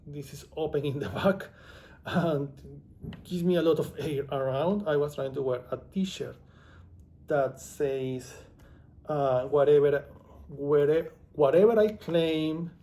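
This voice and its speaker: Man, Venezuelan Spanish accent, native Spanish speaker, casual vlog chat, gravelly, mellow. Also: fairly high pitch, takes it slowly. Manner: chatty, digressive, self-deprecating. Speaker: author and vlogger.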